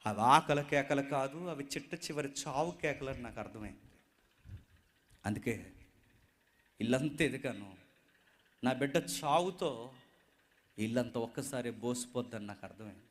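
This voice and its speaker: A man speaking as a grieving, widowed poor mother in famine, in a hushed, sorrowful, pleading voice. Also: medium pitch, normal speed, long pauses, voice pushed down, natural voice.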